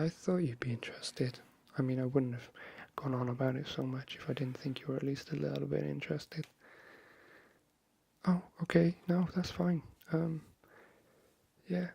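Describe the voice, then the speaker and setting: A man speaking softly and breathily, half whispering in a hesitant, friendly ASMR chat into a close microphone. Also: a little high, vocal fry, slightly rough, no room sound. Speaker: ASMR video creator. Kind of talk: soft-spoken ASMR, friendly chat roleplay.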